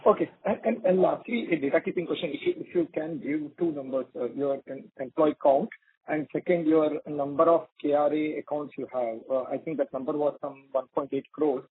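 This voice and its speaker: A man's voice: on the high side, fairly quick, husky, no echo. A man with an Indian accent, an analyst asking questions on a conference call and often repeating his words. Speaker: financial analyst caller. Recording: dry narrowband phone line.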